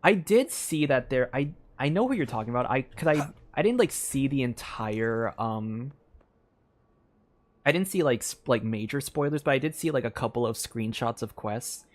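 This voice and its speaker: A man with a medium-pitched, expressive voice at normal speed chats casually on a livestream from a room at home. He's a streamer playing a game and voicing its dialogue, explaining things in a hesitant, rambling way full of fillers.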